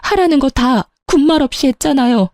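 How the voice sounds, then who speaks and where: A woman's voice: high voice, a little fast, a little mellow, no echo, clean studio sound. A woman telling a scripted first-person story in a plaintive, aggrieved manner.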